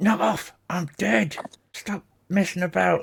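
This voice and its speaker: Using a put-on character voice, a man whispers in a raspy way at a fairly slow pace. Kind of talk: urgent, annoyed. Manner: whispering out of the side of the mouth.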